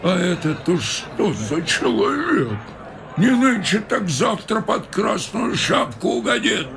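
A smug old official. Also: male voice, sits high, big pitch swings, slow pace, vocal fry, fairly bright tone, slight background noise, exaggerated voice. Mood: lecturing. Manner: sententious, drawling, chuckling. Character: older male official, smug, moralizing mentor. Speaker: senior official. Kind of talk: radio play acting.

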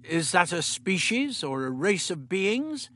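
Man reading a plain earnest alien scientist guy, high-ish voice. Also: sing-song, slow pace, a bit bright, full character voice. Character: earnest male alien microbiologist.

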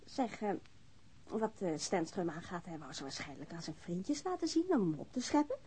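A woman's voice: on the low side, very animated, moderate pace, mellow, breathy edge, heavily acted. An actress playing a playful, frank young wife and mother in a naturalistic radio drama. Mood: teasing. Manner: teasing, frank.

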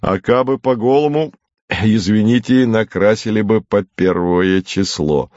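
A man's voice: lowish voice, measured pace, darkish tone, no room sound, muffled recording, close to an everyday voice. A man doing a jaunty carefree soldier. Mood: cheerful. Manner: jaunty, folksy soldier's talk. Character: cheerful carefree young male soldier.

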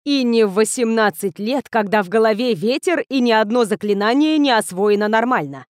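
A woman's voice: on the high side, expressive, normal speed, no room sound, clean studio sound, natural voice. A woman voicing a stern female academy commander. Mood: firm. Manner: firm, commanding.

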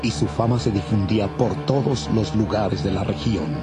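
A man narrating a dramatized audio Bible in a measured, formal way. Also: lowish voice, loud music behind the voice.

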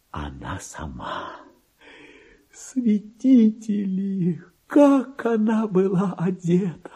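A self-important, excitable low-ranking clerk in a radio drama monologue. The voice is mellow but very husky and breathy, lurching widely between hushed muttering and high exclamations. He speaks his diary as if confiding great secrets, with theatrical exclamation. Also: heavily acted. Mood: rapturous, giddy. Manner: exclamatory, swinging from hushed muttering to shrill rapture.

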